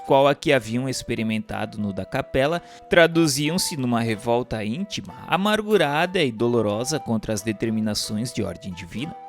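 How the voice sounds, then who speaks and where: A man with a Brazilian accent reads a scripted narration in a solemn, formal, declamatory way. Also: mid-range voice. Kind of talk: scripted narration, audiobook-like reading of a religious history text. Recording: voice over instrumental guitar music. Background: instrumental music with guitar.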